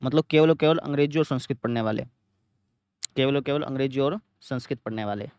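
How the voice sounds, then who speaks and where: A man's voice: medium pitch, fast talker, darkish tone, clean tone, dry recording, highs cut off. Man teaching math step by step, dry close sound. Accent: Hindi-speaking north India. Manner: repetitive, explains step by step, asks questions and answers himself. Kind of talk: recorded math lesson.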